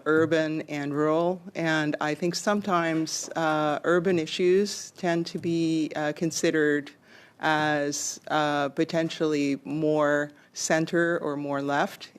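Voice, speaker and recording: A woman's voice: deep voice, smooth. A woman giving formal, diplomatic and somewhat hesitant answers as an executive witness at a hearing.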